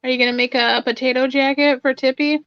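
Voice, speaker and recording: A woman's voice: high-pitched, little pitch movement, fast, dry recording, dull audio. A woman chatting with friends on a live video call in a laid-back, slangy, teasing way. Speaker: guest on a live chat. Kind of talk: casual chat among friends.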